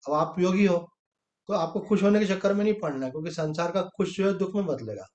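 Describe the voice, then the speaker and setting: A man's voice: high-pitched, fast, darkish tone, dull audio. Man, swami, spiritual sermon, rhetorical questions, everyday examples, room echo. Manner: asks rhetorical questions and answers them himself; conversational, with everyday examples and short quoted exchanges. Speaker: swami giving a spiritual discourse. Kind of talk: sermon on the Gita.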